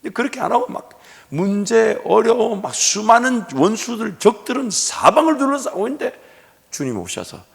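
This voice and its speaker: A male pastor preaching a sermon, moving between hushed, whispered prayer and loud, animated storytelling. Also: sits high, normal speed, creaky. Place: church sanctuary. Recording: echoey church hall.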